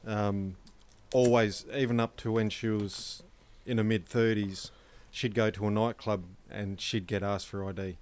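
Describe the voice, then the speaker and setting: Australian man co-host, low-ish voice, easygoing matter-of-fact storyteller. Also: flat delivery, a little slow, few pauses, clean tone. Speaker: podcast co-host. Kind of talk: casual chat.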